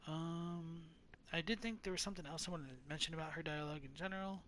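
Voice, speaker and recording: Male let's-play host, lore commentary, somewhat high and bright, halting and reflective. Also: slight background noise. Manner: thoughtful, hesitant, full of restarts.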